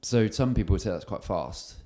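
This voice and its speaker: Guy in his 20s, deep and a bit gravelly, dark mellow tone, chatty host. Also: expressive. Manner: chatty, joking, fast. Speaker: channel host. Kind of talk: casual Q&A chat.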